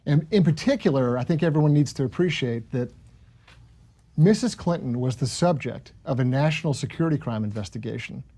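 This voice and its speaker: A man giving a serious, formal statement as a special agent, stern, articulate and deliberate. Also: mid-range voice, expressive, mellow. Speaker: former Army counterintelligence special agent.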